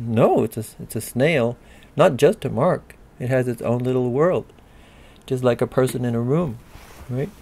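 At a moderate pace, a man speaks at medium pitch with a dark, mellow tone and ordinary pitch variation. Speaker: literature professor. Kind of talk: lecture. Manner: halting, many fillers.

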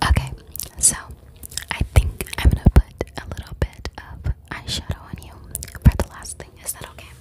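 A soft-spoken woman whispering at a moderate pace. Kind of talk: soft-spoken roleplay chat. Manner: soft close-mic ASMR whisper. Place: home room. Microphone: studio mic.

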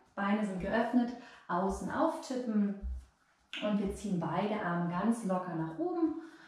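Through strong room echo, a woman speaks at a moderate pace. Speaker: fitness instructor. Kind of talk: workout instruction. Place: home room. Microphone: camera far.

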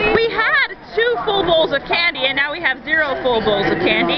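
A woman with a high voice speaks at a moderate pace, her pitch swinging very widely, with crowd noise in the background. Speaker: audio drama group member. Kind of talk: casual talk to camera. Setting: convention floor. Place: hall. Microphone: phone near.

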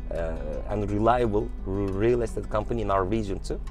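Faint music plays in the background as a man speaks at a fairly slow pace, the sound dry with no echo. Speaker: real estate agent vlogger. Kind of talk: casual vlog chat. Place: car. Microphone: lapel.

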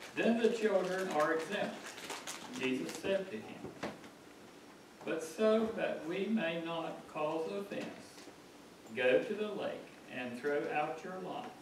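Speaking at a very slow pace, a man leaves long, frequent pauses. Noticeable background noise and audible room echo fill the recording. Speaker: preacher. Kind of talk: scripture reading. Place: church. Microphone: camera far.

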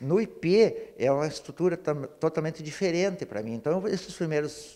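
Against a quiet background, a man with a normal speaking voice and fairly high pitch speaks at a moderate pace. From Rio Grande do Sul, Brazil (Santiago); Rio Grande do Sul, Brazil. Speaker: health plan director and politician; politician. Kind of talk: interview. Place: office. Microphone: handheld.

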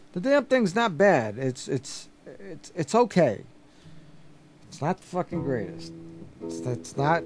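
Over faint background music, a man speaks at a fairly slow pace, his loudness swinging widely. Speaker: guitar hobbyist vlogger. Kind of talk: casual vlog chat. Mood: frustrated, venting, occasional laughs. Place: home room.

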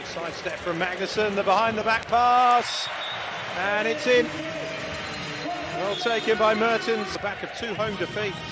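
The speech moves at a fairly slow pace with long, frequent pauses, dry with no echo, against loud background noise. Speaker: sports commentator. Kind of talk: live sports commentary. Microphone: headset.

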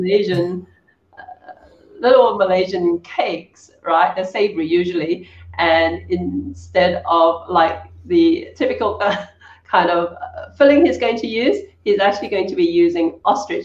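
A quiet woman speaks at a fairly slow pace. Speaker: live stream host. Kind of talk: live stream cooking show chat. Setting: live stream. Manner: careful, quiet speaking.

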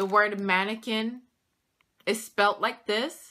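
This woman has a bright, sharp tone and a fairly high pitch. She talks at a fairly slow pace. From Jamaica. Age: 20s. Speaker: beauty vlogger. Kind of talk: casual talk to camera. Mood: chatty, lightly sarcastic. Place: home room. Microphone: phone near.

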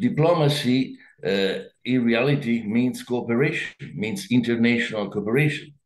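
A man with an Italian accent speaks at a medium pitch. His pace is moderate, with ordinary pitch variation. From Florence, Italy; Tuscany, Italy. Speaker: academy vice president and professor; professor. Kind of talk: panel presentation. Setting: video call. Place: home room. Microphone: webcam.

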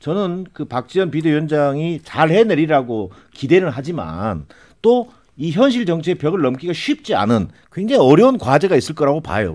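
Against a quiet background, a man with a fairly high pitch talks at a moderate pace, his pitch swinging very widely. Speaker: political commentator, professor; political commentator panelist. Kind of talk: political panel discussion. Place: studio. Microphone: studio mic.

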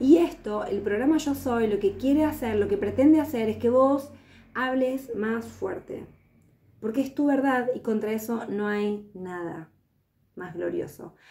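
Somewhat breathy and fairly high-pitched, a woman speaks at a fairly slow pace with a dark, mellow tone and lively intonation. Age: 30s. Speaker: life coach. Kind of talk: promotional monologue. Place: home room.

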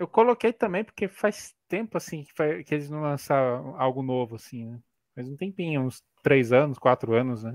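A man with an ordinary speaking voice and fairly high pitch talks at a moderate pace with lively intonation, the sound dry with no echo and the background quiet. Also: big swings in loudness. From Brazil. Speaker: YouTube channel host. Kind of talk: casual chat. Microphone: headset.

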